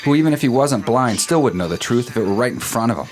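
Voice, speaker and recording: An actor playing a cocky, sardonic young boyfriend talking casually in a horror audio drama. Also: male voice, medium pitch, animated, quick pace, faint music behind, natural voice. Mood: scornful.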